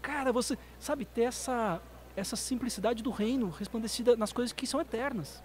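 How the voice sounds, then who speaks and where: A Brazilian man with a high-pitched voice tells stories as a guest on a podcast. He talks with feeling and comes out in quick bursts, his accent clear throughout. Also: slight background noise. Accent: Brazilian Portuguese. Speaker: missionary guest. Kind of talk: podcast conversation.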